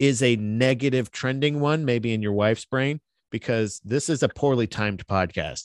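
A man talks at a fairly quick pace with ordinary pitch variation and a plain, everyday voice. The recording is very clean with a silent background, and the sound is dry and close with no echo. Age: 30s. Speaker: podcast host and comedian. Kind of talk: casual chat.

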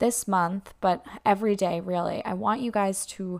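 A woman with an unremarkable speaking voice talks at a fairly slow pace and a medium pitch, recorded very cleanly against a silent background. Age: 20s. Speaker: podcast host and yoga teacher. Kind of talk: casual chat; guided meditation.

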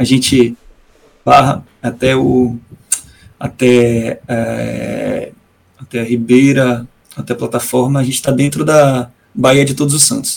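A man's medium-pitched voice in a Bahian accent, very slow, with fairly even intonation and long, frequent pauses. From Salvador, Bahia, Brazil. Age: 30s. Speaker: singer-songwriter. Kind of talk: casual interview. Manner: calm, relaxed.

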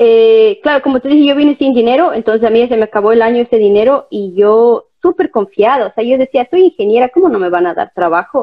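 A woman with a fairly high pitch talks at a very fast pace with hardly any pauses. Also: lively intonation. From Ecuador. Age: 30s. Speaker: engineer. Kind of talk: interview, casual chat.

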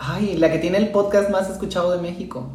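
The speaker goes at a fairly quick pace amid noticeable background noise. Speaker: podcast co-host. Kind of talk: casual chat.

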